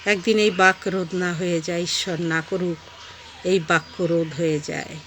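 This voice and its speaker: A woman, talking to her viewers in a vlog. She gives a sharp, preachy rebuke and mixes in devotional chants. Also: lowish voice, little pitch movement, normal speed, a little hiss or hum. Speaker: online vlogger. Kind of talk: scolding video monologue.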